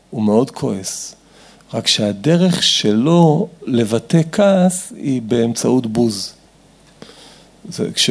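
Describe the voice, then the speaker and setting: A man lectures an audience about family relationships, his voice gravelly and somewhat husky. He talks with wide swings in pitch and animated delivery, acting out dialogues as he goes.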